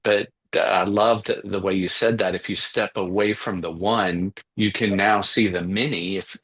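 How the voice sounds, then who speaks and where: Low-voiced man hosting a podcast. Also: fairly even intonation, unhurried, fairly bright tone, breathy edge. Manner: affirming, repeats words as he thinks. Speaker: podcast host. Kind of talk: reflective interview conversation.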